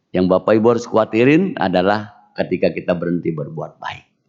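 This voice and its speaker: Animated in tone, a man talks at a fairly quick pace with lively intonation and a fairly low pitch. The background is quiet. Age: 60s. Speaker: Buddhist lay preacher. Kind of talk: dharma talk. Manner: conversational, animated.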